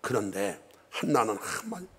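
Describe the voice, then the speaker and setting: A male pastor preaching a sermon in a church. He is animated and emphatic, and often puts questions to the congregation. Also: lowish voice, normal speed, slightly rough.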